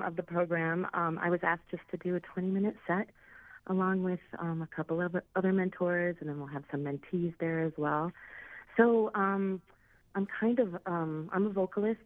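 Guest spot: chatty woman singer, late thirties, deep voice, heard over a thin phone line. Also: no echo. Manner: chatty, laughing, many ums. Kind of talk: casual interview chat.

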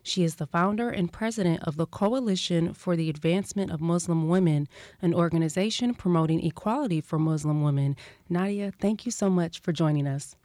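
A woman hosts an interview show and asks measured questions that draw out her guest. Her voice is on the lower side. The sound is dry and close, with no room echo. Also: dark tone. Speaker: podcast host. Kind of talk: interview hosting.

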